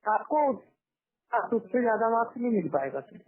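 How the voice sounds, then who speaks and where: High-voiced man on a tinny phone. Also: expressive, normal speed. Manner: firm, repetitive refusals. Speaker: broker on a phone call. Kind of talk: informal phone negotiation. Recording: tinny, radio-like recorded phone call.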